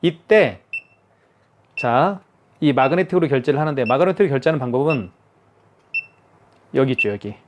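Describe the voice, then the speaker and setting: A man's voice: medium pitch, expressive, normal speed, long pauses, noisy background. A man giving a hands-on product tutorial, explaining each step patiently and repeating himself for clarity. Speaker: product demonstrator.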